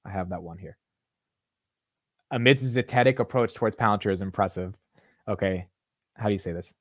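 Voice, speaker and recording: A man's voice: on the low side, brisk, no room sound, studio quality. A young man hosting a casual livestream, talking animatedly and jokingly with his chat viewers. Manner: animated, self-mocking, talks to chat. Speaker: livestream host.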